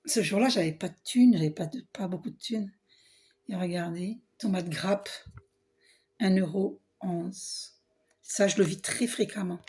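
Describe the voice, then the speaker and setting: A middle-aged spiritual vlogger with a hoarse, husky voice reads a card box aloud in a casual vlog, frequently clearing her throat, coughing, and trailing off. She speaks at a measured pace with fairly low pitch, hesitant, restarting, and adding soft asides.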